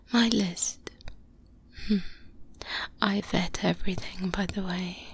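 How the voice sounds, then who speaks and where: Woman as seasoned vampire hunter mentor: breathy, confiding ASMR whisper, extremely slow, wry and pragmatic, close binaural mic with faint noise. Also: mid-range voice. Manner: slow, hushed, confiding, pausing often. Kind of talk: soft-spoken ASMR roleplay. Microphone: close binaural microphone.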